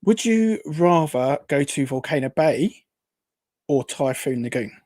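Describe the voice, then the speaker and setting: A man's voice: a little high, animated, unhurried, darkish tone, no echo, clean studio sound. A man hosting a casual interview, hesitant and rambling, who says w for r. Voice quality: weak r sounds, says w for r. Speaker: host.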